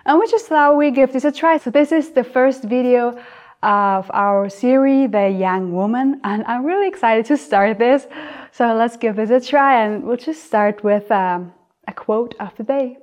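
A woman's voice: fairly high pitch, a little slow, a little mellow. A young woman from Austria with an Austrian German accent, hosting a casual talk show in a chatty way, often correcting herself and restarting sentences. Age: young adult. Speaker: host.

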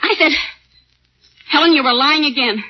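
An actress playing a brisk, sharp-tongued secretary friend in a vintage radio drama, tart and sarcastic. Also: female voice, high-pitched, natural voice. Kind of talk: 1940s radio acting. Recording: dull old radio recording.

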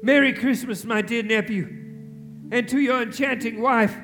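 An actor playing a reformed old miser, hearty and exclamatory, in a theatrical radio play recorded live on stage. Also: male voice, very high-pitched, steady tone, moderate pace, a bit bright, soft background music. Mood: joyful, tender. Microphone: shared stage microphone.

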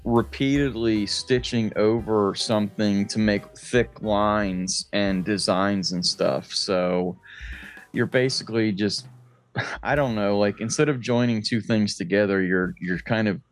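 A man's voice: on the low side, steady tone, measured pace, faint music behind. A man co-hosting a podcast, chatting casually and swearing freely in an exasperated, self-mocking way. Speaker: podcast co-host.

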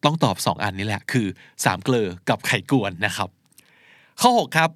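A man's voice: fairly low pitch, normal speed, dry recording, studio quality. Man hosting a chatty solo podcast. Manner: chatty, relaxed, polite with frequent particles. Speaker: podcast host answering listener questions. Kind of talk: casual solo podcast talk.

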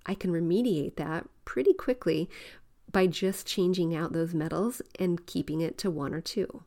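A woman's voice: on the low side, normal speed, dark tone. A woman hosting a home decorating podcast, explaining design ideas step by step and repeating her key points. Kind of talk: instructive podcast talk.

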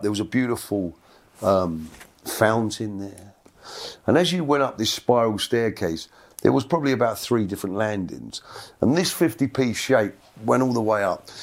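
Rambling man telling a story. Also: lowish voice. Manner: rambling, repeats words, acts out voices in quotes. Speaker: guest. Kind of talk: casual storytelling.

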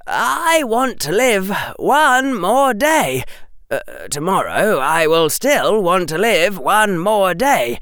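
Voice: mid-range voice, very animated, slow pace, fairly bright tone, clear, resonant tone, dry recording, studio quality, voice pushed up. A reader doing an eager, lecturing boy wizard. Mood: eager, arguing. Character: precocious boy wizard, earnest and know-it-all.

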